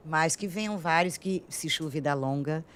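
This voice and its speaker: A woman's voice: sits low, normal speed, a little hiss or hum. A woman hosting a podcast in a radio studio, chatty and openly admiring her guest. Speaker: podcast host. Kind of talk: casual studio talk.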